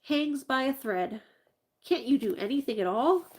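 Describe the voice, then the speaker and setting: Putting on a character voice, a woman speaks at a high pitch and moderate pace with lively intonation. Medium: read story. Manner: pompous, imperious.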